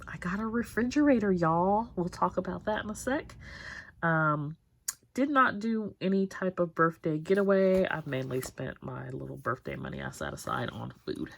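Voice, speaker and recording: A woman's voice: lowish voice, sing-song, normal speed, vocal fry, a little hiss or hum. A young woman chatting through her monthly budget check-in, rambling with lots of ums, sounding stuffy and sniffly. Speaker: budget planner vlogger.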